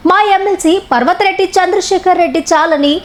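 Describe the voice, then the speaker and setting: A woman reads a local news report in a formal, even anchor's tone. Her voice is very high. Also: a little fast. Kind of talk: scripted news reading.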